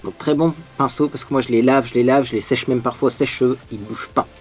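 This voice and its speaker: A man's voice: mid-range voice, fairly even intonation, quick pace. A man vlogging as he gets ready, chatting and explaining beauty products, with many fillers along the way. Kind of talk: get-ready-with-me vlog, product demo.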